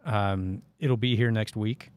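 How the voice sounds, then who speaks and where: A man's voice: lowish voice, steady tone, slow, darkish tone, clear, resonant tone, no echo. A middle-aged man from Northeast Arkansas, hosting a casual podcast and telling rambling, sarcastic stories. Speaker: podcast host.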